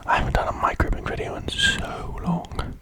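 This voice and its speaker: An ASMR creator speaks entirely in a breathy whisper. The delivery is meandering and playful, like idle late-night chat, with thoughts drifting from one to the next. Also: extremely high pitch, huge pitch swings, moderate pace. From America.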